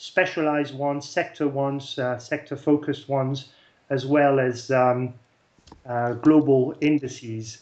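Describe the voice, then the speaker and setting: A man with a slight French accent speaks at a moderate pace. His voice is fairly high, and his intonation is monotone and flat. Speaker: company chairman. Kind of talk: interview. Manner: halting.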